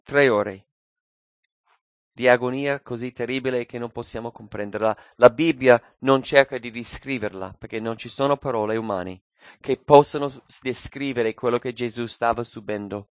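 A man preaching a sermon, swinging between loud, raised cries and hushed, low phrases. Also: moderate pace, no echo.

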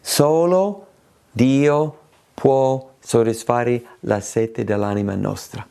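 A man preaching a sermon, reading scripture aloud and explaining it slowly and deliberately, with his pitch rising on emphatic phrases. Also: vocal fry, mellow, clean tone.

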